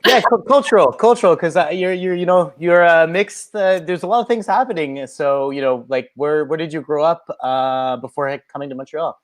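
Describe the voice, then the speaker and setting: A man's voice: a little high, normal speed, hardly any pauses. A man hosting a podcast in casual chat, hesitant and often repeating his words as he asks questions. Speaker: podcast host.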